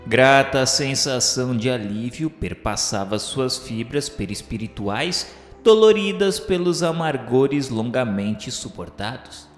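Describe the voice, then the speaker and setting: A man with a Brazilian accent gives a solemn, formal, scripted literary narration in the style of a radio novela. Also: mid-range voice. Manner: solemn, formal, measured delivery. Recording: echoey hall-like reverb, music behind. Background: music.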